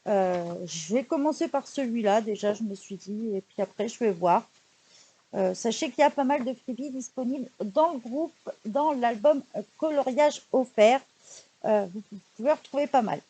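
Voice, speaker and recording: A woman presenting her recent craft purchases in a casual, chatty haul video, often pausing on fillers. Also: a little high, expressive, mellow, breathy edge. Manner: chatty, many hesitation fillers and "donc voilà". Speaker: craft YouTuber showing purchases.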